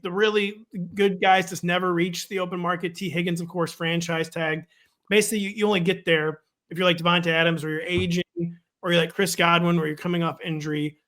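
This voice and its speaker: A man co-hosting a casual sports chat, wry and joking, talking quickly and loosely. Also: high voice, fairly bright tone. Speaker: podcast co-host. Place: home in the Midwest.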